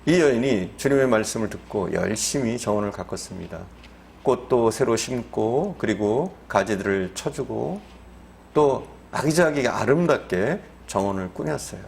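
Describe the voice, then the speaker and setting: A male pastor preaching a sermon in a church, telling a story slowly and deliberately. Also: mid-range voice, lively intonation, vocal fry, a little mellow, a little hiss or hum.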